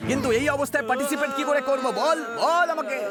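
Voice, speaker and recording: Anxious, very high-pitched cartoon racer. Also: male voice, steady tone, fast. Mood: exasperated, worried. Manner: worried, questioning, repeats himself. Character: anxious, self-doubting racer, abandoned by his owner. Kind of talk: cartoon dub acting. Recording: loud music behind the voice.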